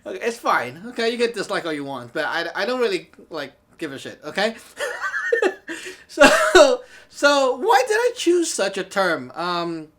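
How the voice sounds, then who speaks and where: His voice sits high and swings hugely in pitch, with a sharp tone and an unhurried delivery. This chatty man from Hong Kong, whose first language is Cantonese, is a Taoist teacher and show host giving a casual talk show monologue to camera, often laughing and repeatedly asking "okay?".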